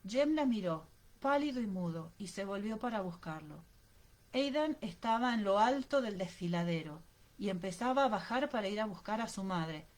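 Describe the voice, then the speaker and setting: A woman reading an audiobook aloud in a steady, dramatic narrating manner. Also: mid-range voice, normal speed. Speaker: audiobook reader.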